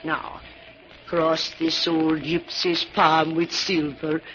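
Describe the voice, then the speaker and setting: Through a dull, faintly noisy old radio recording comes an aged gypsy fortune-teller. Her is thick with mystery. She speaks very slowly and grandly, in a bright, piercing tone. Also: deep voice, flat delivery. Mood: hushed, mysterious. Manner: slow, portentous, speaks of self in third person. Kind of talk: old-time radio acting.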